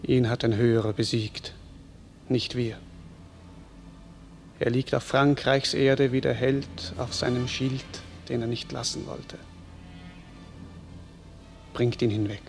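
Noble battlefield king, dignified, stately declamation, mid pitch, classic radio drama. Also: steady tone, takes it slowly, gravelly, pauses often, a little mellow, soft background music. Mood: reverent. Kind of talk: classic German stage-style radio drama acting.

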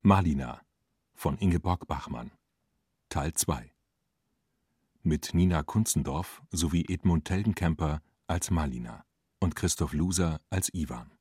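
Male radio announcer for credits, extremely low and husky, measured delivery, dry studio sound. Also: darkish tone, dry recording.

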